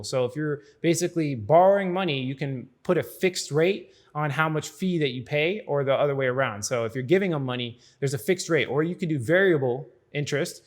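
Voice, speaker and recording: A man hosting an explainer video in casual commentary, speaking informally and straight to the viewer with frequent check-in tags. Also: medium pitch. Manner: informal, addresses viewers directly, checks in with "right?". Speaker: host of a crypto explainer video.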